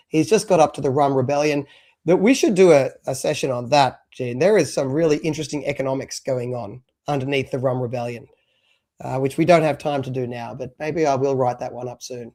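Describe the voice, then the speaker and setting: A man with a mid-range, dark-toned voice co-hosts a live stream podcast, chatting casually and rambling with plenty of fillers. Born abroad, he moved to Australia at age three.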